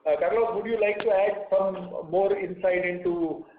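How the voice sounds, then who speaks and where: Exec, slightly high-pitched, measured, tinny phone line. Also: male voice, steady tone, echoey room. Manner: measured, frequent "uh" pauses. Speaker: company executive. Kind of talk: earnings call answers.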